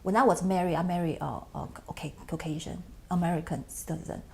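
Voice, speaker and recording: A middle-aged woman from Taiwan, an English speaker who talks in halting sentences with many restarts as an interview guest. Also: on the low side, steady tone, slight background noise. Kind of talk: interview conversation.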